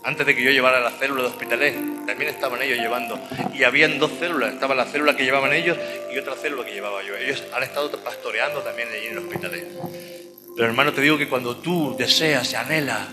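A man's voice: medium pitch, long reverb tail. A man from preaching a fervent sermon and closing prayer, repeating phrases and saying "amén" often. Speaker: lay preacher and cell group leader.

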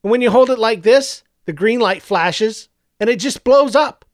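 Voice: mid-range voice, moderate pace, no room sound, clean studio sound, voice pushed up, lightly acted. A narrator voicing a smug, boastful male superhero who is secretly a villain, talking in a mocking, sly way. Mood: gloating.

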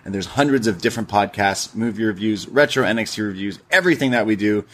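A man's voice: fairly low pitch, expressive, fast talker, fairly bright tone, slight background noise. A man in his thirties co-hosting a podcast, casually reading listener messages aloud and laughing easily. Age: 30s. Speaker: podcast co-host.

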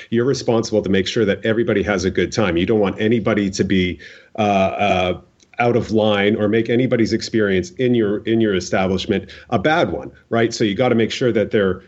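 A middle-aged man with a husky, fairly low voice chats casually and emphatically, like a seasoned bartender holding forth. The audio is somewhat dull. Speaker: veteran bartender, podcast co-host. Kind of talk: casual podcast chat.

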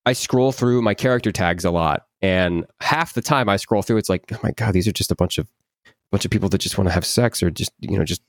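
A man in his twenties, a voice actor, chatting in an interview, animated and repeating words as he acts out quotes. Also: low-pitched, dry recording, clean studio sound. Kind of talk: casual interview chat.

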